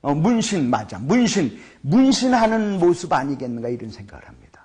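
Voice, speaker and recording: A man teaching a Bible lecture in an animated way, often asking his listeners for agreement and acting out the shouts he quotes. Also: fairly high pitch, fairly quick, breathy edge.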